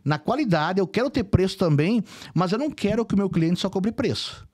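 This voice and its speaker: A man's voice: sits high, lively intonation, a little fast, a little mellow. Brazilian man in his forties, hesitant. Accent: mixed Brazilian Portuguese, gaúcho with São Paulo traces. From southern Brazil. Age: 40s. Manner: hesitant, many restarts and tag questions. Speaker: company CEO, podcast guest. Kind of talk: casual interview talk.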